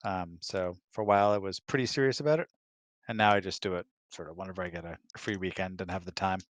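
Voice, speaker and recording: A man's voice: low-pitched, quick pace, no room sound. A man chatting casually as a guest and answering questions in a laconic, dry-humored way. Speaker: guest, host's husband.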